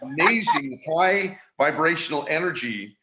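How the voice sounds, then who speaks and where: There's heavy background noise behind this live-stream host, a middle-aged man from San Francisco. His voice is a little high, expressive and unhurried, and his casual talk is full of restarts and fillers.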